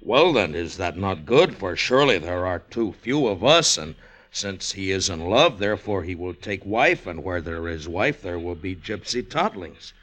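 A man's voice: low-pitched, sing-song, moderate pace, fairly bright tone, exaggerated voice, rough recording. An actor playing a puzzled, easygoing gypsy man in an old-time radio drama, questioning in folksy stage diction.

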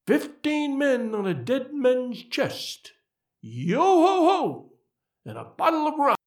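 A man voicing an unseen ghostly pirate with a thin, high, trembling voice that wails drawn-out words. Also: very animated, reverberant, distant mic, heavily acted. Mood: eerie singing. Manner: wailing, drawn-out.

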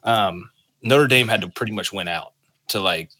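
A man co-hosting a casual sports podcast, conversational with quick asides. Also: lowish voice, bright, forceful tone. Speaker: podcast co-host.

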